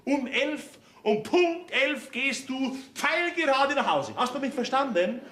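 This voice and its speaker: An actor with a Bavarian accent playing a bossy, self-righteous middle-aged farmer father who shouts orders, on a theater stage. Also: very high voice, animated, unhurried, exaggerated voice. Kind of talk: folk theater comedy acting. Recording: echoey stage recording.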